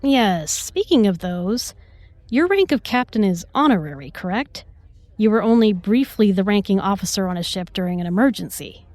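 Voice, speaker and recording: A woman's voice: medium pitch, animated, normal speed, a little mellow, dry recording, natural voice. A woman acting a self-assured, protective starship doctor in a sci-fi audio drama, composed and pointed in her delivery. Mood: cool, cutting.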